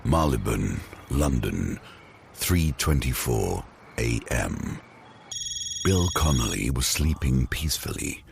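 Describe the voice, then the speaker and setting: An ominous horror storyteller with an extremely deep, gravelly voice. He narrates dramatically with wide melodic swings, over clear background noise. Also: lively intonation, slow pace, heavily acted. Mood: measured, dramatic.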